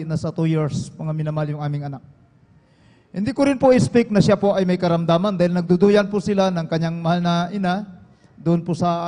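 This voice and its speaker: Fervent high-voiced man testifying in church. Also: darkish tone, long reverb tail. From Palawan, Philippines. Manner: fervent, keeps saying "praise the Lord" and "beloved". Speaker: church member giving testimony. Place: church hall.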